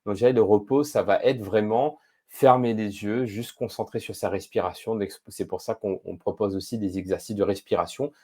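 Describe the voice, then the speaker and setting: A man with a fairly low voice and a dark, mellow tone, speaking as a podcast guest. He explains things step by step, pausing often to gather his thoughts. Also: steady tone, breathy edge. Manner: thoughtful, measured, frequent hesitations. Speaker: podcast guest, speed-reading expert. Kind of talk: casual interview explaining.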